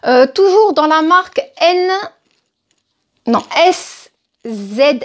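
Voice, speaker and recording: High-voiced chatty French woman vlogger. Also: animated, extremely slow. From France. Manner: chatty, hesitant with many fillers. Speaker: haul vlogger. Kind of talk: casual haul vlog.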